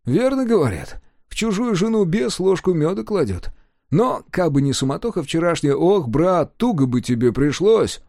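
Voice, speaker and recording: A man voicing an excitable, curious peasant woodcarver in a storybook, talking loudly in a raised voice. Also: moderate pace, dry recording, studio quality. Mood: excited. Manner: loud, excited, high-pitched.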